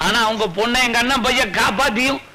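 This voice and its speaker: An actor playing a scheming rustic uncle who blusters and wheedles, in film dialogue over music. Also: male voice, very high-pitched, steady tone, quick pace, a loud crowd, rough recording. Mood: pleading.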